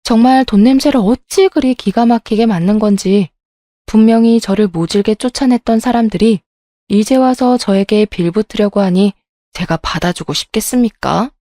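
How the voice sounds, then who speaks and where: Dark-voiced woman narrating a story. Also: medium pitch, moderate pace, dry recording, clean studio sound. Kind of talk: scripted first-person story narration.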